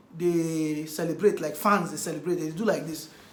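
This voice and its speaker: A moderately paced delivery against noticeable background noise. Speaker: doctor. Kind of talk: medical lecture in pidgin.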